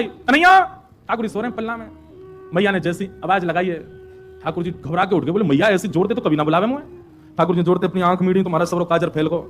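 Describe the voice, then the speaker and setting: A man with a Braj accent telling a devotional story in an animated, colloquial way. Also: sits high.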